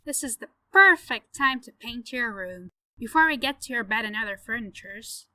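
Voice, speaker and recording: A woman's voice: fairly high pitch, expressive, normal speed, bright, forceful tone, no echo. A woman playing a breezy, insistent, upbeat friend in an audio drama, emphatic and informal.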